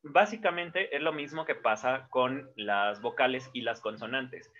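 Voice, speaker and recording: A man's voice: mid-range voice, a little slow, bright, forceful tone. A man, teaching a casual lesson at a board and explaining step by step with fillers and self-corrections. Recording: dull lo-fi sound.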